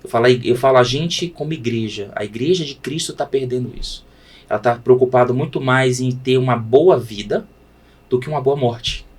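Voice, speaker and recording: A man, a pastor, talking in a podcast conversation with a preaching cadence that swings from loud emphasis to hushed tones. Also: medium pitch, moderate pace, husky.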